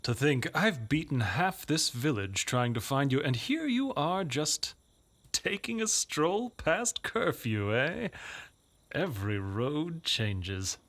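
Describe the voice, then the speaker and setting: Husky, swaggering guard captain acted by a man. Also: on the high side, very animated, a bit bright, full character voice. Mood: smug taunting. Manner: slow, taunting, swaggering. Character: bullying, vindictive village guard captain. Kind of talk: audio drama acting.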